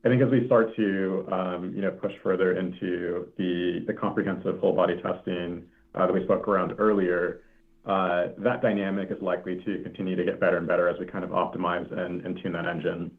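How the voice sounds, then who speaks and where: A man with a very low voice full of vocal fry answers as an executive on an earnings call. He speaks haltingly, pausing mid-phrase. The sound is narrow, like a phone line. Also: flat delivery. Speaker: company executive answering analyst questions.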